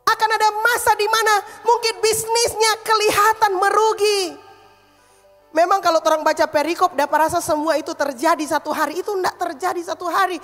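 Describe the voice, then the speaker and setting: A woman's voice: extremely high pitch, steady tone, fairly quick, a bit bright, long reverb tail, faint music behind. A woman pastor with a Manado accent preaching a sermon, emphatic and calling the congregation to repeat phrases after her. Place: church hall.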